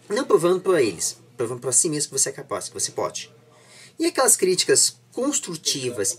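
A Brazilian man in his twenties hosts with reflective remarks to his viewers. His voice sits in the middle range and has a husky grain. He speaks deliberately and formally, with encouragement. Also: medium pitch, a bit bright. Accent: Brazilian Portuguese. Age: 20s. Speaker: interview host. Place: living room at home.

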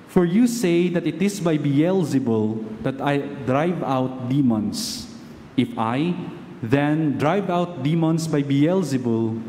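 Man, priest, solemn gospel reading, very slow, long cathedral echo, faint background noise. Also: fairly high pitch, warm tone. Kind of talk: proclaiming a gospel reading at Mass. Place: large church, indoors. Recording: echoey church with long reverb, faint noise.

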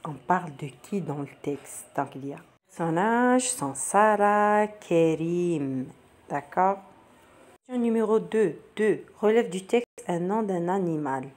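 A patient woman talks children through their schoolwork, repeating each question before she answers it. Her voice sits a little low. Faint noise runs behind her. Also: a little mellow. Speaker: teacher going over a practice exam.

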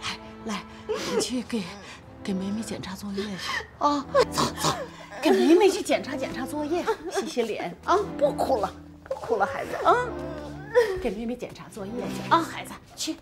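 A woman's voice: sits high, huge pitch swings, normal speed, music in the background. A bossy older mother. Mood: soothing. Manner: soothing, then scolding and lecturing. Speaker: mother-in-law. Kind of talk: TV drama acting.

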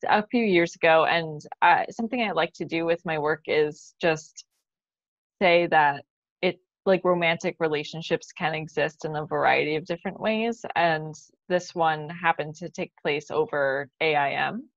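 A woman's voice: low-pitched, moderate pace, dry recording, dull audio. A young woman speaking as a guest in an informal, candid, conversational way over a video call. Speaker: playwright, guest. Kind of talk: casual conversational explanation. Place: living room at home. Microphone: computer mic on a video call.

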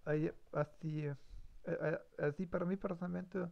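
A man's voice: fairly high pitch, steady tone, measured pace, vocal fry. A man practicing on a live stream, hesitant, full of fillers and self-corrections. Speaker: language learner streamer. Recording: dull lo-fi stream mic.

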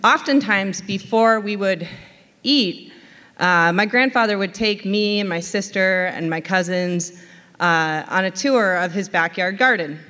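A woman from western Massachusetts tells a personal story to a live audience, reflective and unhurried. Her voice sits in a middle register. A long hall reverb trails her words. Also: mid-range voice, pushed and bright. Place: stage in a hall.

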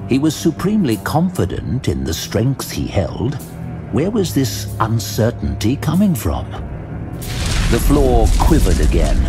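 A man reads dramatic fantasy narration over music. His delivery is slow and theatrical, with deliberate pauses. The pitch is fairly low but moves in lively, expressive sweeps. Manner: measured, theatrical storytelling with pauses. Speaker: audiobook narrator.

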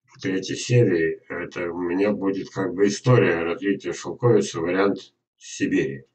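An older man giving an informal instructional webinar talk, speaking haltingly with drawn-out words and pauses. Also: low voice, steady tone, darkish tone, low-quality recording. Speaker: gardener presenting an online lesson. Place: indoors in a small dim room at a computer.

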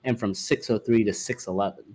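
A man's voice: fairly low pitch, fairly quick, darkish tone, slightly rough. A man chatting casually over gameplay as the streamer's friend and co-commentator.

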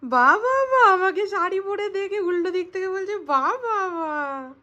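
A woman's voice: extremely high pitch, lively intonation, measured pace, bright, forceful tone, muffled recording. A young woman, a mother, chatting in a family vlog and talking in affectionate baby talk to her small daughter. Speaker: vlogger mother. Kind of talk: casual family vlog chat.

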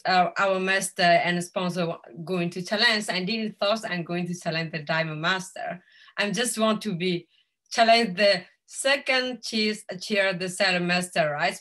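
A woman's voice: on the low side, sharp tone. A young woman from Sweden giving an informal speech on a video call, searching for words as she goes. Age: young adult. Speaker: seminar speaker.

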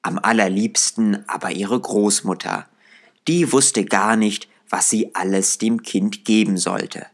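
A man narrates a fairy tale as a storyteller. His voice sits fairly low, and he reads the scripted text at an unhurried, very slow pace.

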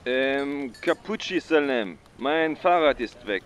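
A man's voice: mid-range voice, animated, takes it slowly, a little hiss or hum. An actor playing a clueless male caller reporting a stolen bike, hesitant and full of filler sounds. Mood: rambling.

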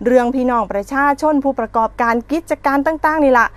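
A woman's voice: high-pitched, fast talker, no room sound. A woman in her thirties with an Isan accent, anchoring a regional news segment in a chatty, folksy way, recorded in a TV studio on a lapel mic. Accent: Isan (Northeastern Thai). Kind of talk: casual regional news chat.

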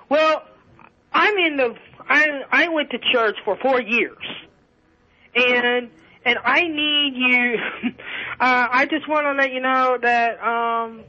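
Halting radio show caller on a dull phone line. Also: male voice, very high-pitched. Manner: halting, rambling, many restarts and fillers. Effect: caller heard over a phone line.

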